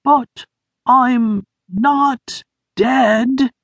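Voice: mid-range voice, fairly even intonation, drawn-out words, dry recording, voice pushed up. A storybook reader voicing a weak, wheezing, plump young male creature who survived a fire. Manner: wheezy and breathless.

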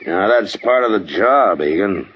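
An actor playing a steady frontier town marshal who speaks calmly and levelly, in a 1950s radio drama. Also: male voice, fairly low pitch, measured pace, slight background noise. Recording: dull old radio broadcast with music behind.

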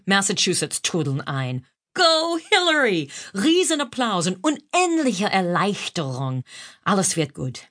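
A woman's voice: mid-range voice, fairly bright tone. A woman with an American accent, a native English speaker, reading her own humorous memoir in German and mixing in English phrases. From United States. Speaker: author narrating her own audiobook.

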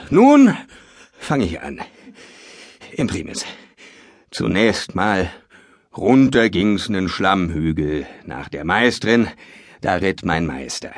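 An actor playing a chatty, put-upon manservant in a theatrical classical comedy audio drama, with excitable, exaggerated comic delivery. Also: male voice, lowish voice, no room sound, clean studio sound, exaggerated voice.

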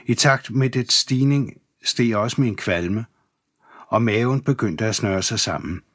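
A man reading a first-person memoir aloud as an audiobook narrator, in a measured, steady voice. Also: mid-range voice, dry recording, studio quality. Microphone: close studio mic.

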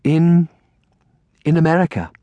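A man voicing a tender, sorrowful grown woman, a devoted aunt in a storybook, with a gentle, hesitant manner. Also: fairly high pitch, very animated, moderate pace, no room sound, pitched above the performer's own voice. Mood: regretful.

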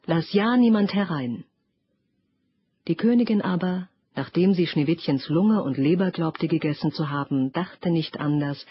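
Woman reading fairy tales, calm and measured, breathy voice, dry close mic, kinda dull sound. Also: low-pitched, dry recording. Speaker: audiobook narrator. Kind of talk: scripted storybook narration.

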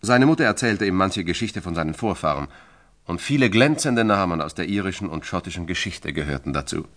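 A man with a deep voice narrates a scripted biography. His pitch moves widely as he stresses phrases, giving a dramatic, solemn storytelling delivery. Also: lively intonation, a little fast, fairly bright tone.

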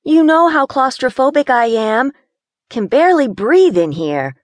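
A woman voicing a feisty young city woman who is claustrophobic and quick to panic. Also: high voice, big pitch swings, no room sound, studio quality, pitched above the performer's own voice. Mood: nervous, sassy. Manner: jumpy, sassy, quick to panic.

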